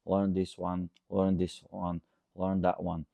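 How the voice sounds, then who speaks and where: Bulgarian guy coach chatting unscripted, really low voice with lots of fry, kinda rambly, dry sound. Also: completely flat delivery, slow, dry recording, phone-quality sound. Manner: rambling, checks understanding with frequent "okay?". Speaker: coach and host answering audience questions. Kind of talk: casual unscripted talk to camera.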